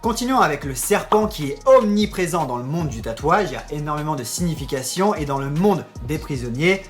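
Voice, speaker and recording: A man's voice: fairly high pitch, lively intonation, fairly quick, faint music behind. A man hosting a tattoo vlog, explaining in a chatty, joking way and talking straight to his viewers. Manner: chatty, addresses viewers directly, joking asides. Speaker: tattoo YouTuber.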